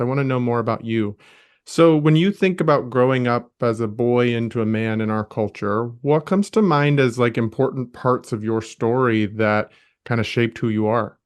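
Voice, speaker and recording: A male podcast host speaks at an ordinary middle pitch, affirming his guest and laughing easily. He reads introductions and asks open questions in an encouraging, upbeat way. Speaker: podcast host, life coach. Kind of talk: interview hosting.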